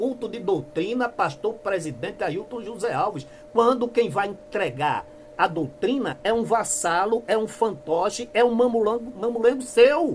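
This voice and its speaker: An extremely high male voice swinging very widely in pitch, at a fairly slow pace, over noticeable background noise. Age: 60s. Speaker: church member and online commentator. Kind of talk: denunciation monologue, sermon-like. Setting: live online broadcast. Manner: impassioned, preachy.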